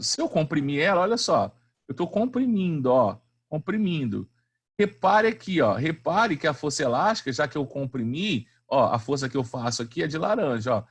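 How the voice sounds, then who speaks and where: A man's voice: a little high, husky. A man teaching a physics class online in a chatty, slangy way, often asking the students questions.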